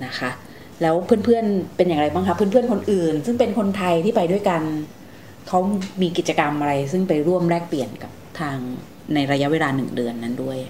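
A woman's voice: on the low side, fairly quick, dark tone, slight background noise, low-quality recording. A woman hosting a conversational interview, politely asking questions and summing up with some hesitation. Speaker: interviewer, show host.

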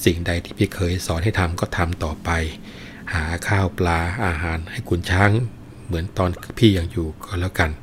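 A grieving young wife from an old folk tale, speaking in a lamenting, pleading way, as a man voices her. The voice is very low and deep. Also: steady tone, normal speed, a little hiss or hum, lightly acted.

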